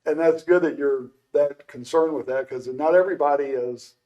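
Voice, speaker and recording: An older man hosting a relaxed interview, talking in a chatty, rambling way. His voice sits a little high for a man, and he circles back and restarts his questions. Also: moderate pace, dull audio. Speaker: show host. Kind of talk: casual interview conversation.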